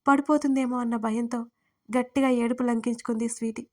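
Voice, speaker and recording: A woman storyteller reading an audio story as scripted narration, with even, unhurried delivery. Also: on the high side.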